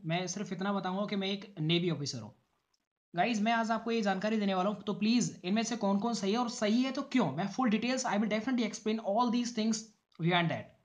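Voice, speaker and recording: A man teaching English in a casual explanatory lesson, often addressing viewers as "guys" and correcting himself as he goes. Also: high-pitched.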